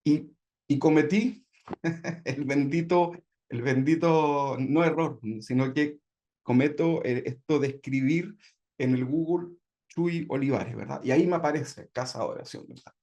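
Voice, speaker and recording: A man tells his testimony in a relaxed, conversational manner. His voice sits a little high for a man, and he keeps checking in with his listeners as he goes. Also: unhurried, muffled recording. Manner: conversational, leans on tag questions. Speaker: church member giving testimony. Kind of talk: personal testimony.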